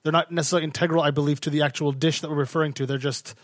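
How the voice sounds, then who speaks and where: A man's voice: a little high, fairly even intonation, rapid-fire, no echo, clean studio sound. A man co-hosting a podcast, running a quiz game in a playful, hyping way with many fillers. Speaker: podcast co-host, quiz master. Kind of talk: casual chat.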